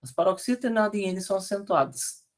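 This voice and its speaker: An online grammar lesson is led by a high-pitched man with lively intonation and a Brazilian Portuguese accent. Patient with the rules, he checks in frequently via tag questions, spells letters out slowly, and calls out slide errors as he corrects them.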